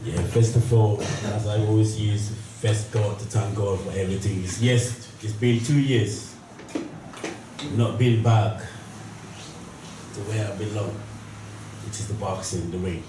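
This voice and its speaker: Earnest boxer in an echoey hall. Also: male voice, on the low side, steady tone. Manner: earnest, halting non-native phrasing. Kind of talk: press conference speech. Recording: echoey room, distant mic, noisy.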